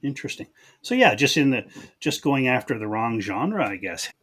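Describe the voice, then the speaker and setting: A man's voice: mid-range voice, very animated, moderate pace, fairly bright tone, breathy edge. A man from Newfoundland with a Canadian accent, hosting a podcast in a casual chatty style. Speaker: podcast host. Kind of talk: casual chat.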